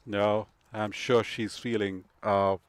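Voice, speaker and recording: A man giving live cricket commentary in a measured, analytical way, sometimes pausing with fillers. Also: fairly low pitch, little pitch movement, smooth, dry recording.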